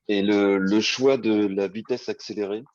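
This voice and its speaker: Low-voiced man moderating, dull sound. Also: steady tone, moderate pace, darkish tone, no echo. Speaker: discussion moderator. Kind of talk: encouraging, informal question session.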